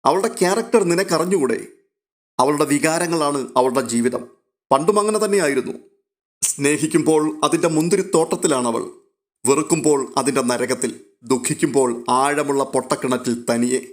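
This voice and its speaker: A man voicing a troubled middle-aged father who speaks quietly to comfort his grieving daughter in a spoken novel. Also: on the high side, normal speed, natural voice. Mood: consoling.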